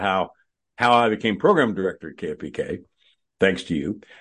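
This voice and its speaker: A fairly quick pace over a quiet background. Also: man. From Kentucky. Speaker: retired radio news director and program director. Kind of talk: casual interview.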